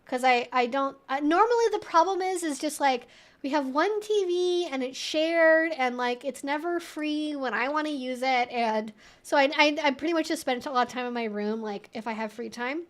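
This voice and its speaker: A woman's voice: high voice, normal speed. A woman livestream host chatting casually, in a rambling, informal way peppered with "like". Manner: rambling, informal, frequent "like" and swearing.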